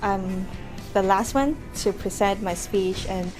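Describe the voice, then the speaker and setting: A young woman from Hong Kong who says she is nervous and talks haltingly. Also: medium pitch, over music, poor audio.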